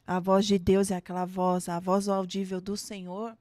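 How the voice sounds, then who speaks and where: A Brazilian woman, a pastor, talking casually and softly, laughing easily. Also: medium pitch, level tone, normal speed, no echo. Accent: Brazilian Portuguese. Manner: soft, warm-toned asides, laughs easily. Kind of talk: casual conversation.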